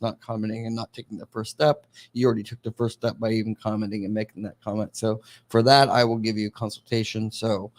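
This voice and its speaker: A man's voice: lowish voice, gravelly. A man hosting a casual live-stream Q&A about business credit, speaking plainly with many fillers. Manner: soft-spoken and plain, with frequent fillers like "uh" and "you know". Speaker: host giving business credit advice.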